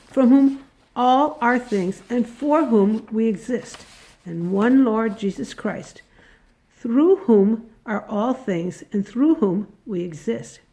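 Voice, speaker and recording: A middle-aged woman reading scripture solemnly, in measured phrases. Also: on the high side, a little mellow. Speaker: lay scripture reader.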